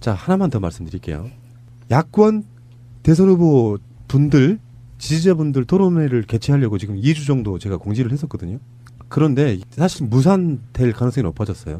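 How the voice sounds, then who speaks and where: The pitch swings very widely. The tone is dark and mellow. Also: man, medium pitch for a man. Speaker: podcast host and producer. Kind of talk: casual panel chat. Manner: fast, sometimes stumbling.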